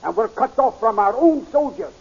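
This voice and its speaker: A man's voice: very high-pitched, animated, moderate pace, creaky, breathy edge, full character voice. An actor playing a grave, fatherly older scientist with formal, stilted phrasing in a 1930s radio serial. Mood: urgent. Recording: muffled 1930s radio recording.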